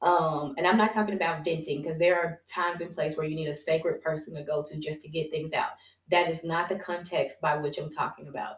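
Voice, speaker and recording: A woman's fairly low voice at a fairly quick pace, with fairly even intonation and a normal speaking voice. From US South. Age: 40s. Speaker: podcast host. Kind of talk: solo motivational talk. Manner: conversational, with frequent fillers.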